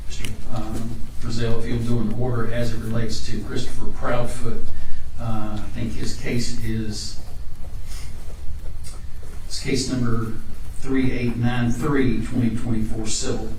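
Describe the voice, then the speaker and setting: An American man speaking as a judge, giving formal procedural rulings in a halting, deliberate way. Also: mid-range voice, darkish tone. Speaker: judge presiding over a hearing. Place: courtroom. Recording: very echoey room, distant mic, faint noise.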